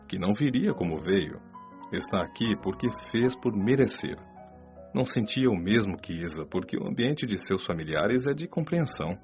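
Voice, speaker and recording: A man playing a patient, earnest spirit mentor in a radio drama, speaking in a measured, didactic and gently admonishing way. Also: lowish voice, lightly acted. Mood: gently firm. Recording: dull, muffled audio under clear music. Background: music.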